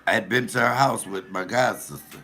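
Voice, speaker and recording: A man with a deep voice telling a profane, animated comic story in casual storytelling style, laughing at his own jokes. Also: brisk. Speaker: comedian host.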